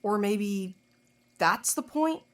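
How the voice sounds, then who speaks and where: A woman's voice: mid-range voice, lively intonation, slow pace. Woman playing a blunt, impatient investigator. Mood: probing. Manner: curt, sardonic, insistent. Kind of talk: audio drama acting.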